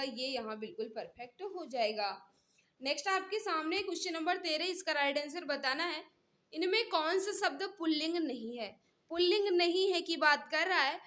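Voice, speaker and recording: High, bright-voiced woman teaching. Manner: instructional, repeats questions and set phrases. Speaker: teacher of an online exam-prep class. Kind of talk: live mock-test lesson, questions and answers.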